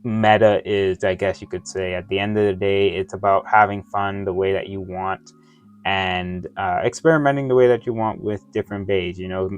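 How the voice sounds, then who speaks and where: Halting man with a slight retainer lisp. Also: sits low, steady tone, smooth. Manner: halting, rambling, often losing his thread. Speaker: toy review vlogger. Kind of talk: casual unboxing review chat. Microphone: close microphone within his reach.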